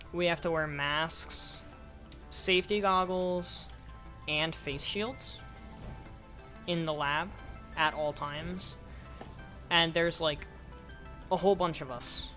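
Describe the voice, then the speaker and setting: A hoarse young woman streaming a game, rambling casually and talking to herself as she plays. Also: deep voice, slow pace, long pauses, sharp tone, soft background music. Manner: rambling, talks to herself while playing. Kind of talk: casual gameplay commentary.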